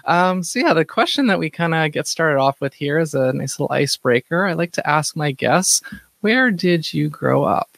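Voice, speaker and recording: A podcast host with a gravelly voice, hosting an interview with many fillers and repeated words. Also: male voice, a little high, lively intonation, moderate pace, a bit bright, no room sound.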